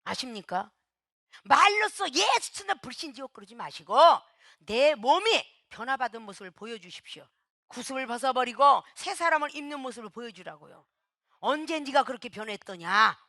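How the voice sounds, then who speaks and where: Female pastor, middle-aged, forceful preaching, high voice with gravel, dry close sound. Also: big pitch swings, moderate pace, dry recording. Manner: emphatic preaching that acts out quoted speech, rising to near-shouts. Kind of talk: sermon.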